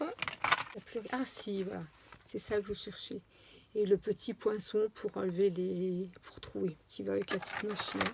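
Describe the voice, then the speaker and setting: A woman chatting casually through a craft-supply unboxing, with many pauses and fillers. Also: medium pitch, gravelly, very noisy. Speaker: crafting vlogger.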